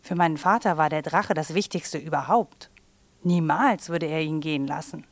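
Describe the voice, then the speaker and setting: A woman's voice: low-pitched, normal speed, dry recording. Woman playing a dramatic, lamenting cartoon princess. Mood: sorrowful, lamenting. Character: unhappy young princess, lamenting her captivity and wounded knight. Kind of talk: scripted character monologue for a mystery game.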